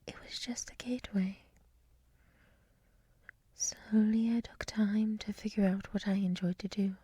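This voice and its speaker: In a soft, breathy whisper close to the microphone, a woman plays a gentle dryad librarian for an ASMR roleplay. Her mid-range voice is hushed, soothing, and reflective, with a serene, dreamy mood and no echo.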